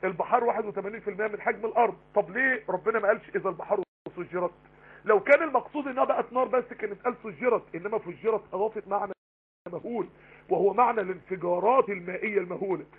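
A man with an Egyptian Arabic accent giving a live online Quran lesson, talking rapidly and emphatically with many rhetorical questions. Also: high voice, breathy edge. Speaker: Quran teacher. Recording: tinny phone-line broadcast.

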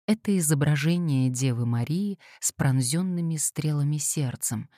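Low, warm-voiced woman reading an audiobook. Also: no echo, clean studio sound. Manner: measured, even literary reading. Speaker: audiobook reader. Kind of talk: scripted audiobook narration.

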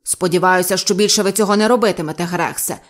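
A woman's voice: medium pitch, big pitch swings, moderate pace. A woman voicing a stern, brusque male zoo director who raises his voice. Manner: stern, shouting.

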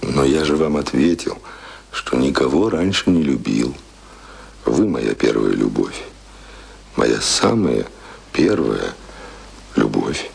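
An actor playing an idealistic, stubborn young ex-sailor turned writer in a Russian radio play, speaking in an impassioned manner. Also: male voice, extremely low pitch, big pitch swings, slow pace, gravelly, pauses often, darkish tone, exaggerated voice. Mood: tender, lovestruck. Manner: impassioned, swings from tender to vehement. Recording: music behind, studio radio play.

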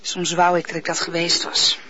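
An actress playing a gruff, lonely young woman who gives lessons to a boy, in an old radio drama. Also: lowish voice, completely flat delivery, normal speed, bright, forceful tone, highs cut off, a little hiss or hum. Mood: weary.

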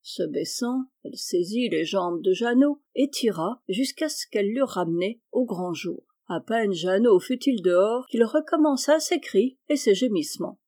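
Warm, mellow woman narrating a classic novel. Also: medium pitch. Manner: calm, measured storytelling. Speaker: audiobook reader.

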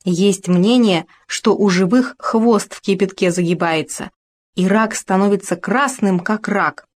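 A woman's voice: mid-range voice, lightly acted. A woman voicing a greedy male gopher who chatters on eagerly. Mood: chattering. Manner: rattles on quickly, eager.

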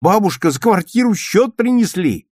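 A man voicing a lively, teasing young schoolgirl in a storybook reading. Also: fairly high pitch, moderate pace, husky, no room sound, studio quality, pitched above the performer's own voice. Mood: impatient. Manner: eager, teasing.

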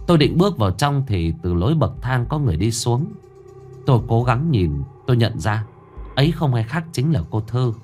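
A man narrating a first-person ghost story in an expressive, unhurried way. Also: mid-range voice.

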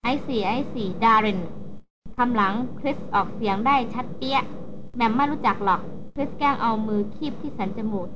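A woman narrating a novel aloud in a steady, even storytelling voice. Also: on the high side, brisk. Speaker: audiobook narrator. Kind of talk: novel reading. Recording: dull lo-fi recording with hiss.

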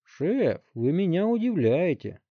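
A man's voice: mid-range voice, animated, a little fast, no room sound, natural voice. A man voicing a sarcastic, brash thirteen-year-old boy in an audiobook story, on a dry, slightly dull recording. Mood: mocking. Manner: sarcastic, brash, yelling taunts. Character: cocky 13-year-old boy with a smart mouth.

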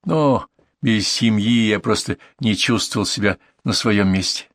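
A man reading a story aloud in a measured, even way. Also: lowish voice, dry recording, studio quality. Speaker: audiobook narrator. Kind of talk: scripted narration.

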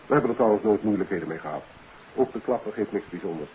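Animated police inspector played by a male actor. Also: fairly low pitch, fast talker, lightly acted. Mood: casual, reporting. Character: easygoing, dutiful male police inspector giving reports. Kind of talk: 1950s radio drama acting. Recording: muffled 1950s radio recording, faint noise.

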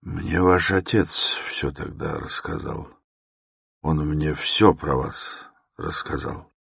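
A man voicing a brooding young man who speaks quietly, abruptly and gloomily. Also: extremely low pitch, slow pace, vocal fry, husky, no echo, studio quality, exaggerated voice.

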